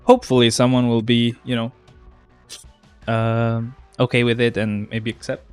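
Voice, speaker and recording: A man's voice: medium pitch, little pitch movement, moderate pace, clean tone, faint music behind. A young man with a stuffy nose from a cold, chatting casually to his live-stream viewers and getting exasperated with the game. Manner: chatty, easily exasperated, talks to chat.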